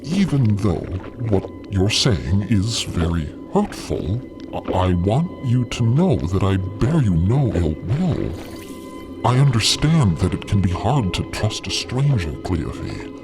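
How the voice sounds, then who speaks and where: A man plays a gentle creature from another realm in an audio drama. He speaks with formal, halting dignity, his pitch rising and falling dramatically. Music plays underneath. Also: sing-song, full character voice. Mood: hurt, dignified. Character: gentle, dignified otherworldly male being, formal and patient.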